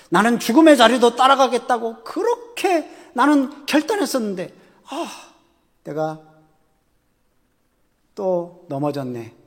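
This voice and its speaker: A preacher doing a remorseful lamenting disciple. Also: male voice, high-pitched, long reverb tail, pitched above the performer's own voice. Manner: anguished, lamenting. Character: remorseful male disciple lamenting his failure.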